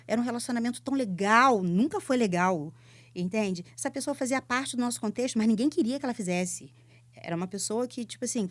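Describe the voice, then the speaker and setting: Brief: Brazilian woman, psychologist guest, bright higher voice, animated storyteller full of fillers, dry close mic. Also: dry recording. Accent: Brazilian Portuguese. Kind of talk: casual podcast conversation.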